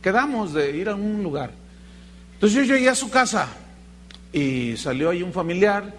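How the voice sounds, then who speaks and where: A male pastor preaches in an animated storytelling manner. His voice sits fairly high, and he slips into other people's voices when he quotes them. A faint hum runs under the recording. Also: normal speed. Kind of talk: sermon with acted anecdotes.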